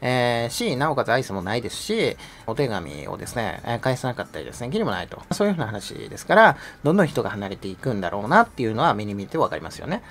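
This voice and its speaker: Fast, sarcastic male commentator. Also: medium pitch, sing-song, fairly bright tone, slight background noise. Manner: sarcastic, mocking, conversational. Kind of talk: casual commentary video.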